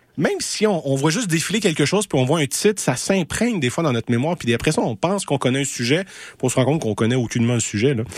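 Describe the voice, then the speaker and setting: In a Quebec accent, a man speaks at a fairly high pitch and a fairly quick pace. His intonation is lively, and the sound is dry and close with no echo. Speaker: radio host. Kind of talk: casual radio commentary. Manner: hesitant, many fillers.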